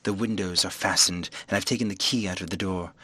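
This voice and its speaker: A man voicing a menacing, coldly threatening invisible man in an audiobook, hushed and commanding. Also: sits low, fairly even intonation, fairly quick, slightly rough, dry recording, voice pushed down, heavily acted. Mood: cold menace.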